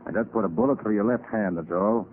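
An actor playing a confident, brisk master detective with assured authority in a 1940s radio crime drama. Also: male voice, lowish voice, narrow, tinny audio, close to an everyday voice. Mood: curt, commanding. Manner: assured, explanatory, crisp authority. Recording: scratchy, thin 1940s radio recording.

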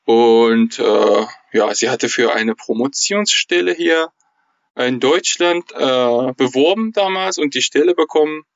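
A young man from Iran speaks, friendly but halting, filling gaps with "äh" as he hunts for the right word. His voice sits mid-range. The audio is dry and a little dull, like a remote call. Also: medium pitch, lively intonation, no room sound. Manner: hesitant, searching for words with many fillers. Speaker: guest. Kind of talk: casual interview conversation.

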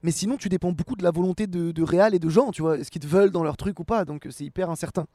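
A man in his twenties from France, an actor and rapper answering interview questions in a relaxed, rambling way with many fillers and restarts. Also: sits high, rapid-fire, no room sound, studio quality. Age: 20s.

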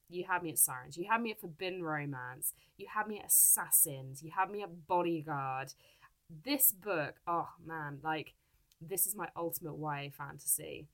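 A woman's voice: low-pitched, normal speed, fairly bright tone. A woman hosting a podcast interview, her voice stuffy from a cold, gushing and enthusiastic, laughing often. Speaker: podcast host. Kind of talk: casual interview chat.

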